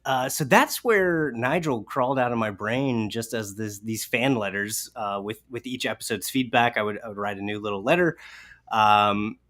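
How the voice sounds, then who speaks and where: A man's voice: fairly low pitch, normal speed, a bit bright. Casual, playful man chatting. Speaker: guest co-host, writer and voice actor. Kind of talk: casual chat.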